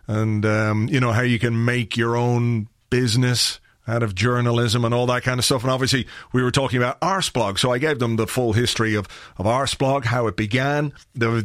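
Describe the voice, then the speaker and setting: Croaky Irish man rambling on a podcast. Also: mid-range voice, no echo, clean studio sound. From Ireland. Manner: rambling, wry and chatty, with filler words. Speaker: podcast host. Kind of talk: casual solo podcast chat.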